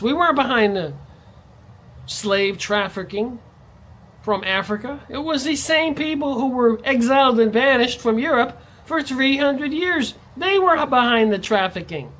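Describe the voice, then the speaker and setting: A man's voice: very high voice, a bit bright. A man vlogging in a ranting monologue, his voice jumping up sharply on stressed words. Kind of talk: monologue to camera.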